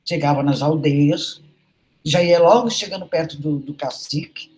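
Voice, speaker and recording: A woman's voice: low voice, a little slow, darkish tone, poor audio. A middle-aged woman, a university professor, giving a recorded lecture in an anecdotal, storytelling way with frequent conversational tags.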